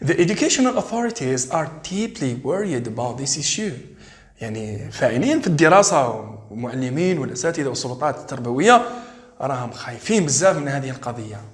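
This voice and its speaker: A man with an Algerian Arabic accent, teaching an English exam lesson in Arabic and English and reading the English sentences slowly, with drawn-out words. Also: mid-range voice, big pitch swings, echoey room.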